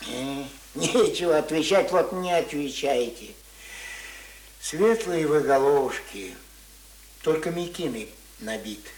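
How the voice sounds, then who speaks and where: A man's voice: fairly high pitch, expressive, slow, darkish tone. An actor in a radio play voicing a grumbling, stubborn old village man with sarcastic, rustic speech. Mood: irritated, scornful. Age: older. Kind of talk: radio play acting of rural folk dialogue. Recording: roomy, echoing radio drama recording.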